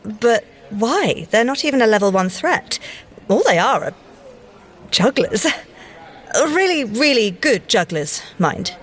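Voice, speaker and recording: A woman's voice: fairly high pitch, sing-song, slow. A woman playing an earnest, nerdy young scientist agent in an audio drama, speaking precisely and politely and easily flustered. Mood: precise, dry.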